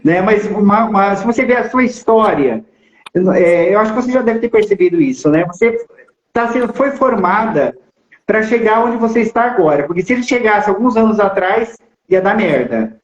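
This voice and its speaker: High-voiced man host in an echoey room. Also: lively intonation, moderate pace. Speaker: host interviewer. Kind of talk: casual live interview. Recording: roomy, dull lo-fi sound.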